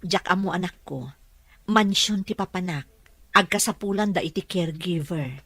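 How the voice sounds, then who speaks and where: A woman playing a humble, hard-up mother and household helper in a radio drama, gentle and deferential. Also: lowish voice, moderate pace, slightly rough, no echo. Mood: gentle, motherly.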